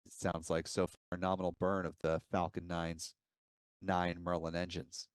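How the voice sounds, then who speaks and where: A man's voice: low voice, little pitch movement, moderate pace, clear, resonant tone, no room sound. A man giving live, explanatory commentary as host of a launch webcast.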